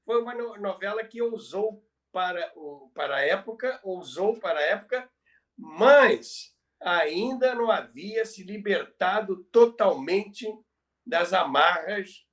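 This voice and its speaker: A man's voice: high voice, animated, takes it slowly, fairly bright tone, recorded from a distance. An older man with a Brazilian Portuguese accent co-hosting a podcast in conversational commentary, often repeating phrases for emphasis. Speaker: podcast co-host telling radio history.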